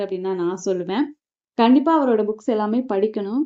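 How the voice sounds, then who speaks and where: In a normal speaking voice, a woman talks at a fairly high pitch with ordinary pitch variation. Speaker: book reviewer. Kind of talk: book review talk.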